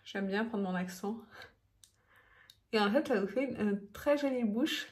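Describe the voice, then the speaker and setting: A woman with a medium-pitched, a little mellow voice talks a little slowly through her routine in a casual, chatty beauty vlog. She uses frequent fillers and little laughs. The room is echoey, with faint background noise.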